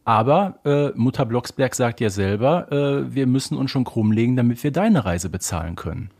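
A man co-hosts a relaxed discussion podcast. His voice is of average pitch with a husky, slightly rough edge. He talks in a casual, conversational and analytical way. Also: normal speed. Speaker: podcast co-host. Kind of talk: casual analytical podcast conversation about a children's audio drama series.

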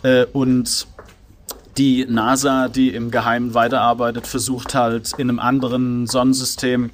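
A man's voice: mid-range voice, little pitch movement, normal speed. Chatty man retelling a film. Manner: rambling, many fillers, laughs easily. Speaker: podcast co-host. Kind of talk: casual chat.

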